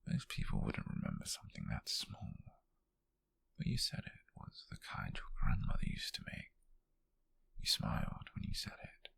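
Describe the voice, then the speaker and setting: A British man playing an obsessive, possessive lover in a breathy, halting, intimate ASMR roleplay whisper, close to the microphone. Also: extremely low pitch, wildly swooping pitch, a bit bright, full character voice. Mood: soft, possessive. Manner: slow, halting, intimate delivery with pauses. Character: obsessive, possessive man quietly fixated on his beloved.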